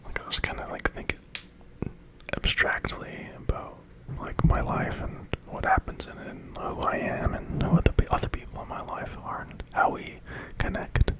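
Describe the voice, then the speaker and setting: A person speaking in a breathy ASMR whisper, rambling casually and reflectively with a hesitant manner. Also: moderate pace, rough recording. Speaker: ASMR creator.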